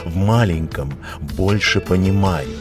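Deep-voiced male announcer, slow and measured, with music underneath. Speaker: program announcer. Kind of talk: scripted intro narration.

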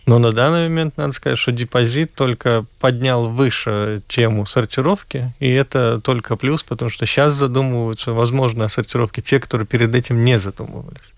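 A man who is a studio guest from a waste management company, giving thoughtful, measured answers in a radio interview. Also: mid-range voice, steady tone, no echo.

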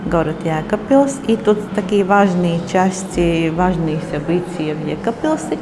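A woman's voice: fairly low pitch, lively intonation, measured pace, background noise. Woman tour guide in a reverberant hall. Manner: hesitant non-native Russian phrasing. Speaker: museum guide.

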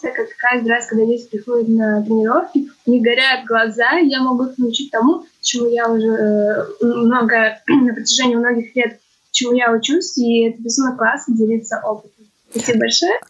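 Teen girl, high, eager. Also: fairly even intonation, a little fast, husky, muffled recording. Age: teens. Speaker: guest, high school student. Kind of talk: casual talk.

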